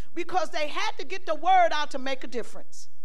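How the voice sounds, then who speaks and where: A woman's voice rises to an extremely high pitch. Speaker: preacher. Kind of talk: sermon. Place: church. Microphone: handheld.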